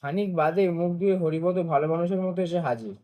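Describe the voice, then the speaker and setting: A man reads a children's story aloud in a lively, expressive manner. His voice sits notably high for a man. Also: fast talker. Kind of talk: storybook narration.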